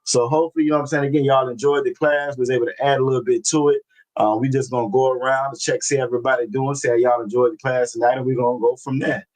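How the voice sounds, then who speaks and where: A man's voice: medium pitch, steady tone, a little mellow, poor audio. Man teaching an online class, repetitive filler. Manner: repeats phrases, constant "you know what I'm saying"; slow, deliberate scripture reading. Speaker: religious language class teacher. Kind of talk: evening class teaching and scripture reading.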